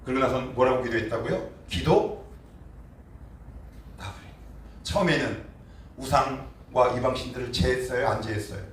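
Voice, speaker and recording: A man preaching a sermon as pastor, animated, acting out quotes and asking the congregation questions. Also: medium pitch, moderate pace, long pauses, slight background noise. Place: church sanctuary. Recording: echoey church hall, mic at a distance.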